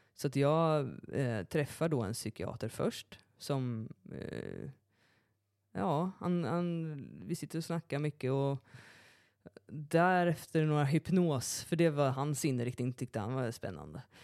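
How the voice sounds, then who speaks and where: The recording is very clean, with a silent background. A man speaks at a very slow pace in a fairly high pitch with ordinary pitch variation. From Sweden, Gamleby near Västervik. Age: 30s. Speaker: podcast guest sharing life story. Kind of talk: personal testimony in casual conversation.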